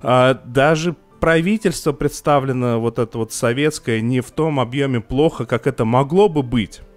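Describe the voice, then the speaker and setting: Hesitant, excitable young man, faint music. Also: medium pitch, normal speed. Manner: hesitant and emotional, with frequent restarts and filler sounds. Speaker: podcast co-host reviewing TV series. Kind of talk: casual podcast discussion.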